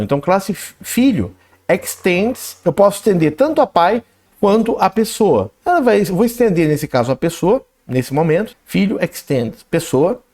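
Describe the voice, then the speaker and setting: A man teaches programming in a screen-recorded coding lesson. He explains as he types and reads the output aloud, often adding a quick "né?". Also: on the high side, darkish tone. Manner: talks while typing code, reads output aloud, frequent "né?" and "ok?". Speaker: programming instructor.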